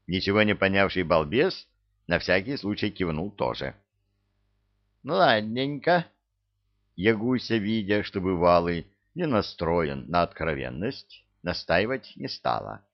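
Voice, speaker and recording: A man reading a story aloud in an expressive audiobook narration. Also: deep voice, a little slow. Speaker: audiobook reader. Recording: dull lo-fi audio.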